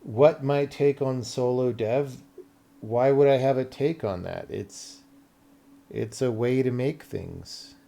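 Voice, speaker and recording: His voice is mid-range, gravelly and dark, and he speaks slowly while live-streaming his game development work. He chats casually, thinks aloud, and keeps murmuring questions to himself.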